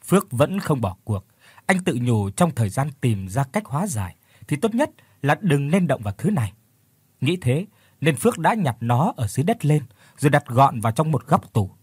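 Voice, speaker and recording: A man narrating a horror story as a scripted audiobook, in an expressive storytelling manner. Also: mid-range voice, moderate pace, husky, no echo.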